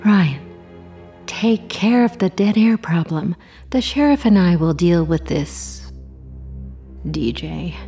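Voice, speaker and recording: A sinister female monster in human disguise speaks slowly in a dark, very breathy, husky half-whisper. She is cold and calmly menacing, as in horror radio drama. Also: on the low side, faint music behind, full character voice. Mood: cold, controlled. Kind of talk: horror audio drama acting.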